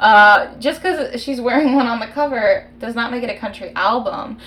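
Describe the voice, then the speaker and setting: At a moderate pace and in an animated tone, a speaker with an American accent shows ordinary pitch variation and big swings in loudness over noticeable background noise. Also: woman. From Chicago. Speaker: comedy podcast co-host, improviser. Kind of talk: casual chat.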